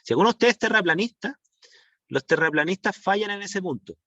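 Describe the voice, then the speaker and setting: A male teacher, his voice a touch higher than most men's, explains ideas to his students over a video call. He stumbles and circles back often, asking whether they follow. The audio sounds dry and dull, like a cheap online stream. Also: lively intonation, brisk, sharp tone, dry recording. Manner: rambling, many restarts and fillers, rhetorical checks. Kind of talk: online class lecture.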